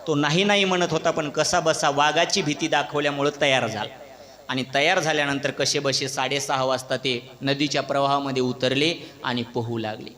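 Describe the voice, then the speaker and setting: Guy preaching a kirtan, bright sharp voice, acts out the story, big echoey hall. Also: mid-range voice, normal speed. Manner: animated storyteller, acts out characters, questions the audience. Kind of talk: devotional kirtan storytelling sermon. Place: large echoey hall at a religious gathering. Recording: echoey hall with long reverb.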